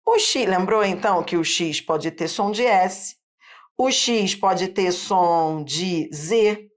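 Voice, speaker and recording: A woman's voice: lowish voice, takes it slowly. A woman teacher with a Carioca accent from Rio, patiently explaining a phonetics lesson step by step. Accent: Carioca Brazilian Portuguese. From Rio de Janeiro. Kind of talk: online phonetics lesson at a board.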